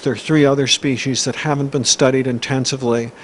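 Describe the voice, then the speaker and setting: This is a man with a medium pitch. Noticeable background noise runs underneath. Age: 60s. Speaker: biology professor. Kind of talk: interview. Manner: halting.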